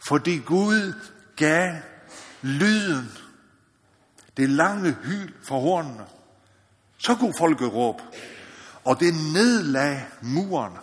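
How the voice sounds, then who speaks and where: A man from the Faroe Islands preaches a sermon at a mid pitch. He talks earnestly, keeps checking in with his listeners, and climbs to loud calls. The room gives his voice a long, ringing reverb. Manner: earnest, repeats "ikke også?", rises to loud exhortation. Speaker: missionary preacher. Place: church or meeting hall.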